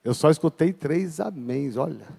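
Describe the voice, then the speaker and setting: A pastor preaching a sermon to his congregation in a church, with emphatic, drawn-out readings of scripture. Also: a little high, expressive, gravelly, warm tone. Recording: long hall reverb.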